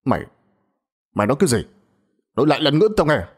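A man's voice: medium pitch, very animated, quick pace, voice pushed up. A man voicing a harsh middle-aged farmer father who barks and curses at his family. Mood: gruff. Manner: shouting, cursing, gruff.

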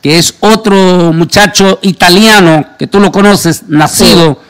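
A man's voice: high-pitched, measured pace, a bit bright, clean tone. A man who hosts a religious program as a pastor, introducing and questioning a guest emphatically. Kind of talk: religious broadcast interview.

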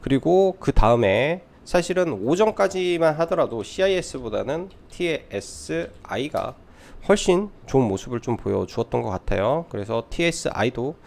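A man's voice: medium pitch, animated, normal speed, vocal fry, a little mellow. A man giving live stock market commentary as a trading adviser, explaining things by posing questions and answering them.

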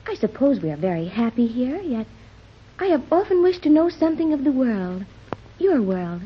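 A woman's voice: on the high side, sing-song, normal speed, a little hiss or hum. A prim, formal island girl. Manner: formal, precise, oddly detached. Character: precise, formal fifteen-year-old girl raised on a strange island. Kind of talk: 1930s radio drama acting. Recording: dull old 1930s radio recording.

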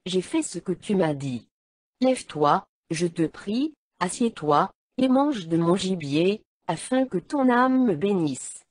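A woman reading the lines of an anxious younger son who deceives his father, calm and measured. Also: fairly low pitch, husky, dry recording, full character voice. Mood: wary.

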